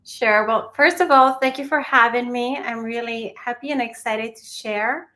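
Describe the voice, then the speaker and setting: A woman's voice: on the high side, moderate pace, pushed and bright. A young adult woman from Peru, a mindfulness teacher answering interview questions in an earnest, reflective way. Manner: earnest, reflective, with restarts and small laughs.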